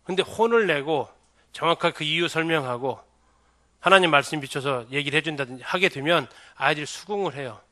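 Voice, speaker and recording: A man's voice: on the high side, fairly quick, bright, forceful tone. A middle-aged male pastor giving a seminar on raising children, often putting questions to the audience. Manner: asks the audience many questions. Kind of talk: church seminar lecture.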